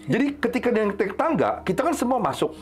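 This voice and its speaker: A man hosting a podcast, telling a story in casual chat and acting out his friends in sudden high voices. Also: fairly quick. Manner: animated, jumps up high when acting out friends.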